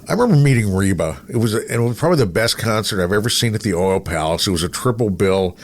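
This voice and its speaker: A middle-aged man with a lowish voice hosts a casual interview. He rambles through anecdotes like an animated storyteller. There is noticeable noise behind him. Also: quick pace. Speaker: podcast host, veteran radio broadcaster. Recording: clear background noise.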